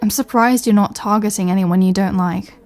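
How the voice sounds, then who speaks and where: A woman's voice: medium pitch, fairly even intonation, a little fast, a little mellow, no echo, close to an everyday voice. A woman playing a sardonic, fed-up superhero in a comedy audio roleplay, speaking in a dry way. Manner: dry, irritated, sarcastic.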